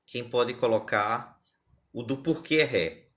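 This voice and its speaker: A man's voice: medium pitch, takes it slowly, a bit bright. Male music teacher, live stream lesson, patient and step by step, quizzes the chat. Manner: patient, explains step by step, asks viewers questions.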